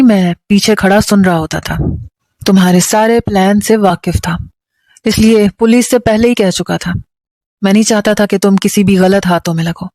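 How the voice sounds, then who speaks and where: A stern, guarded young husband from a spoken romance story, protective and clipped, read by a woman storyteller in her own even voice. The sound is dry and close, with no room around it. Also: mid-range voice, dry recording, close to an everyday voice.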